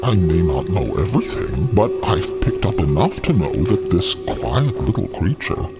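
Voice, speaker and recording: A man's voice: low voice, very animated, moderate pace, loud music behind the voice. A man playing a smug, manipulative and condescending schemer in an audio drama, with theatrical, needling delivery. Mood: insinuating. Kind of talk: dramatic audio fiction acting.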